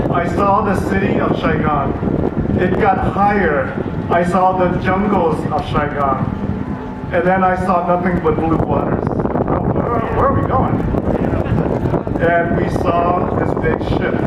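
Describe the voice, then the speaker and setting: High-voiced man, short phrases over loud wind. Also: distant mic. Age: middle-aged or older. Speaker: doctor and military veteran, invited speaker. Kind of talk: public commemorative speech. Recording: windy, noisy, echoey outdoor event from afar.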